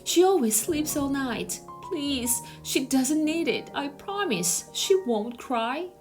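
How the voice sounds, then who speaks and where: A woman's voice: high voice, sing-song, takes it slowly, faint music behind, voice pushed up, full character voice. Woman voicing an anxious young mother, pleading. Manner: pleading, hushed.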